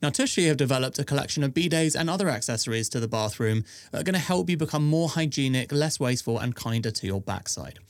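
A man's voice: mid-range voice, expressive, fast, few pauses, no room sound. Podcast host man, dry close sound. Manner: scripted, upbeat intro, then loose conversational questions. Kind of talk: podcast intro and interview questions.

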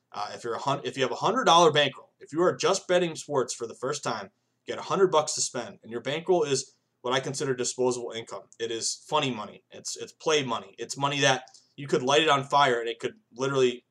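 A man in his thirties hosts a solo sports betting podcast in a loose, rambling way. He leans on fillers and restarts and keeps talking straight to his listeners as "guys". His voice sits at an ordinary pitch. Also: fairly bright tone. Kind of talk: casual solo podcast monologue.

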